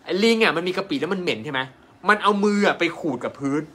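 A man, a doctor, giving an animated live-stream sales pitch and asking his viewers rhetorical questions. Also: fast talker, slightly rough. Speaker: acupuncture doctor selling an online course.

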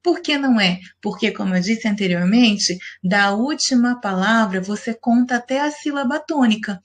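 A woman teacher with a Brazilian Portuguese accent, giving a recorded class lesson in a patient, methodical way and slowly counting things out step by step. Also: a little high.

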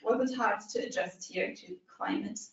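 A woman's voice: a little high, moderate pace, fairly bright tone. Woman hosting a webinar, far from the mic, very echoey, dull sound. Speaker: webinar host. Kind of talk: presenting and moderating. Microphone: video call. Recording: echoey distant muffled call audio.

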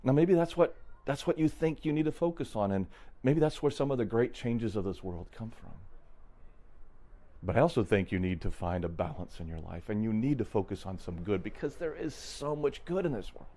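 A man's voice: medium pitch, lively intonation, normal speed, warm tone. A man hosting a solo podcast, thinking aloud in a reflective, unscripted way with frequent restarts. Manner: thoughtful, musing, frequent restarts, chuckles. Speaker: podcast host. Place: traveling in an RV.

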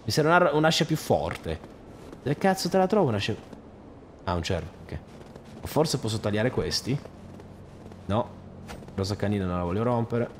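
A man commentating his own survival game playthrough, excitable and swearing, shouting at the enemies. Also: on the low side, normal speed, long pauses, slight background noise. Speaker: gaming streamer. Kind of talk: let's play commentary. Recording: music in the background.

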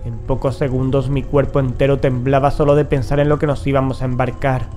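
An actor playing a grave, determined investigator in a horror audio drama, speaking solemnly. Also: male voice, mid-range voice, level tone, a little fast, warm tone, soft background music, lightly acted. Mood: solemn, haunted. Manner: solemn, foreboding.

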